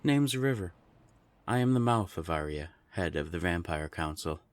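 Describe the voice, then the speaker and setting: A man's voice: low voice, animated, moderate pace. A man voicing a smug, taunting non-binary vampire envoy with formal phrasing in a scripted audio drama.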